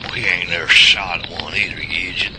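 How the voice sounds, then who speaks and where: A man's voice: low-pitched, fairly even intonation, a little fast, vocal fry. A man playing a grumpy old rural monster hunter with a folksy Southern US drawl in an audio drama. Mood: grumpy, defensive. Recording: loud outdoor ambience noise over voice.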